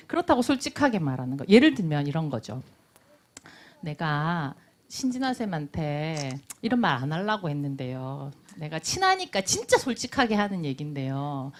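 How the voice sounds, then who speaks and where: Brief: middle-aged woman instructor, animated pitch, acts out little dialogues mid-lecture. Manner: lively, acts out everyday dialogues in little voices. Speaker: nonviolent communication instructor. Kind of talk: lecture to a class. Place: lecture room.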